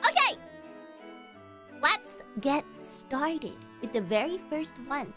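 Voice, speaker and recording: Fields. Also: female voice, sits high, sing-song, slow pace, sharp tone, faint music behind. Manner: giggly, chatty, checks her audio settings aloud. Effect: heavily compressed mic with added reverb. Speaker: streamer. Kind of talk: casual live-stream chat.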